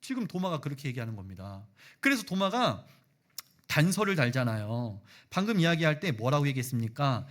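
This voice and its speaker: A male pastor preaching a sermon, animated, questioning the congregation and acting out quotes. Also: mid-range voice, fairly quick.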